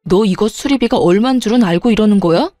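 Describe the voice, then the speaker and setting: Brief: a woman playing a defensive young fiancé, mellow dragging delivery, dry and close. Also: mid-range voice, fast talker, no room sound, soft background music, lightly acted. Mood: furious. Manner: sulky, dismissive, sneering.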